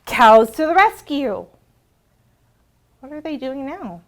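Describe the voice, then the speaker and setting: A woman librarian leading an interactive storytime for young children, expressive and asking simple questions. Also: sits high, slow.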